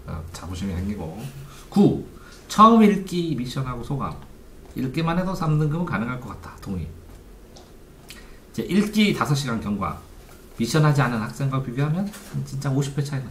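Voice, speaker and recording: A man's voice: medium pitch, sing-song, normal speed, a little hiss or hum. A man giving an informal lecture on study methods as a coach, asking his listeners rhetorical questions. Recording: echoey room.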